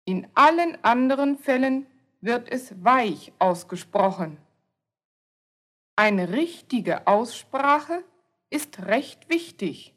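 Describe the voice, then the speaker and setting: A woman teaches a language lesson from a script. She speaks very slowly and sounds out every letter and word with care. Her voice sits a little high. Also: sing-song. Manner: careful, deliberate pronunciation.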